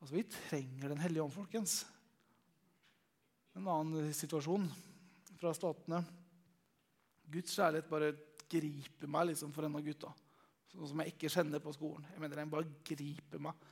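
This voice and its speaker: Storytelling man, slightly high voice. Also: steady tone, long pauses, husky. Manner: storytelling, conversational with many fillers. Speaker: Christian youth leader giving testimony. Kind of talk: testimony.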